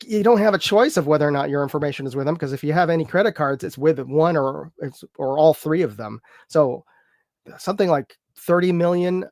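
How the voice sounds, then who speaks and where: A man's voice: fairly high pitch, a little mellow, dry recording, studio quality. A man hosting a live chat show, talking casually and rambling a bit, congested from a cold. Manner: rambling, filler-heavy, chatty with viewers.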